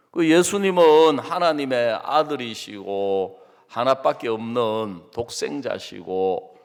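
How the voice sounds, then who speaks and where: A man preaching a sermon as a pastor, acting out his arguments and prayers, dropping to hushed asides and rising to loud outbursts, often asking the congregation short questions. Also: medium pitch, gravelly. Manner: dramatic, swings between soft asides and loud outbursts. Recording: long hall reverb.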